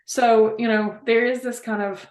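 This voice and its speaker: A woman's voice: a little high, steady tone, unhurried, roomy sound. A woman from West Virginia, talking as a guest in a casual interview, heartfelt and rambling, with many fillers. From Appalachia, West Virginia.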